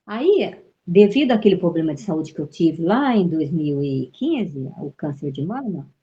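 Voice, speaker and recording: Woman telling a story vividly, mellow and muffled. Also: low-pitched, big pitch swings, a little slow. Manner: vivid storytelling, acts out quoted voices, repeats words. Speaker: interview guest, sensitive. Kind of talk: storytelling in an interview.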